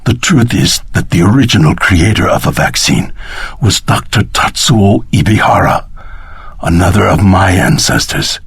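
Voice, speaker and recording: An actor voicing a solemn, dying old Japanese swordmaster in a video game, with a husky, breathy rasp and halting delivery. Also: male voice, sits low, very animated, dry recording, exaggerated voice. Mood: grave. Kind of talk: dramatic video game voice acting.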